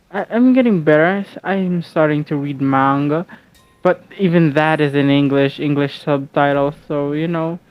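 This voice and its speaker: A man's voice: a little high, smooth, dry recording, muffled recording. A young man from the Philippines whose first language is Filipino, rambling casually and hesitantly at home with many restarts and fillers. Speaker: vlogger.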